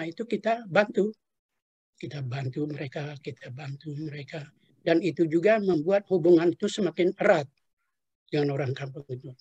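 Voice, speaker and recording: An older man, a retired professor, telling his life story in an unhurried interview, with fillers and trailing asides. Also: a little high, dark tone, slightly rough, dry recording, muffled recording.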